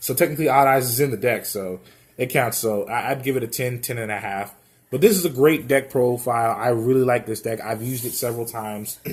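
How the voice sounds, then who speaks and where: Somewhat breathy, a man talks at a very fast pace in a medium pitch with ordinary pitch variation. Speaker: card game YouTuber. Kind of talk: deck profile video. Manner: halting, many fillers.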